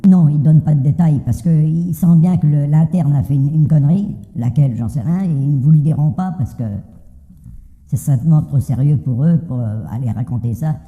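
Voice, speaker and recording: An older man voicing an anonymous testimony, disguised by a deep pitch shift and telling his story in a plain, matter-of-fact way. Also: brisk. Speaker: interviewee giving anonymous testimony. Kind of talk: interview answers. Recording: tinny phone-like sound with long reverb.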